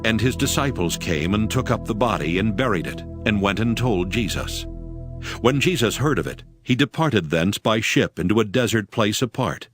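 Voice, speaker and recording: A man's voice: on the low side, animated, moderate pace, over music. A man narrating scripture in a dramatic, scripted audiobook style.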